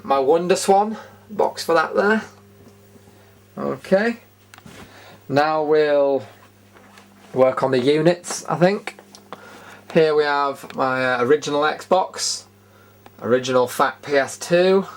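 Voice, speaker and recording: A British man hosting a retro gaming show, casually narrating a room tour in an informal, rambling, enthusiastic way. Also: medium pitch.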